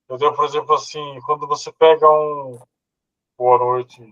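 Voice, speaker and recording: Bright-voiced Brazilian man thinking aloud. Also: a little high, flat delivery, a little fast, dry recording, muffled recording. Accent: Brazilian Portuguese. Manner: thinking aloud, hesitant with fillers and laughs. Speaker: philosophy study group participant. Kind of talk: casual discussion.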